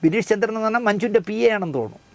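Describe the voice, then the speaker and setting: A man's voice: high voice, expressive, very fast, dry recording. A man delivering mocking, scornful commentary on current events, speaking straight to the audience. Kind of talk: satirical commentary.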